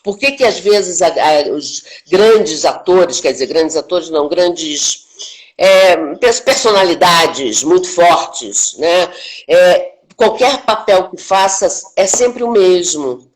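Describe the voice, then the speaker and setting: A Brazilian actress in her sixties speaks with a fairly low voice during a reflective video-call interview streamed live online from home. She is emphatic and animated, often closing a point by tossing a quick question to the listener.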